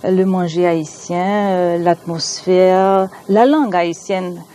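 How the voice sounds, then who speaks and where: A woman from Haiti whose first language is Haitian Creole, answering interview questions in a calm, slow, listing manner. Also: on the low side. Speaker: studio guest.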